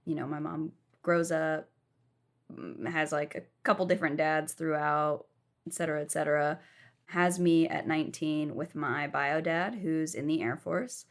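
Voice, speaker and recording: A woman's voice: low-pitched, fairly even intonation, moderate pace. A young woman from the southern United States, telling her life story frankly while lying down as a podcast guest.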